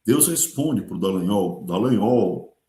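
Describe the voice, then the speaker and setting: Brazilian male host, sarcastic political commentary, warm tone, roomy echo. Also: medium pitch, unhurried. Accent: Brazilian Portuguese. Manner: sarcastic, lively, talks with colloquial asides. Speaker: channel host. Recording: echoey room.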